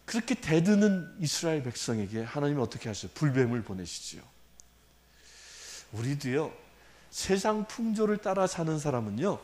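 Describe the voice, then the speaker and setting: A male priest preaching a sermon in an animated way, often putting rhetorical questions to the congregation. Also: a little high.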